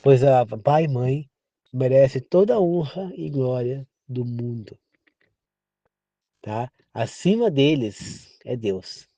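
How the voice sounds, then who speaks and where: In a rural home, a Brazilian preacher delivers an informal sermon in a medium-pitched, mellow voice, speaking slowly on a dry recording. He is earnest and repetitive, frequently addressing the listener with direct questions.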